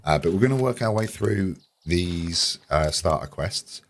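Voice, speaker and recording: Very deep-voiced, slightly croaky man. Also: animated, measured pace. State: slightly croaky from a sore throat. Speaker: let's play host. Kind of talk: casual video game commentary.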